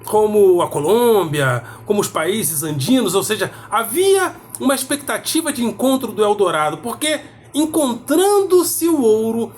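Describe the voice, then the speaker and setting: A man lecturing on philosophy, measured and emphatic, repeating key words for weight. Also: high voice, big pitch swings, slight background noise. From South America. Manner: measured, emphatic repetition with pauses. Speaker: philosophy teacher. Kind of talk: explanatory lecture.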